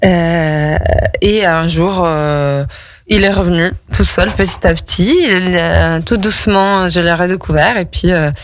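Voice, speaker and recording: A woman's voice: fairly low pitch, unhurried, no echo. A woman from Italy, a native Italian speaker, answering casually as an interview guest and rephrasing as she goes. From Italy, Bologna region. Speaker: guest, yoga teacher.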